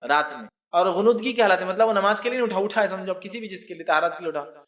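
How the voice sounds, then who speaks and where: A man's voice: high voice, a bit bright. A man giving a religious talk in a conversational, unscripted way, explaining with everyday examples and often checking that the listeners follow. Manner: conversational and unscripted, with restarts and asides. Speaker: Islamic preacher.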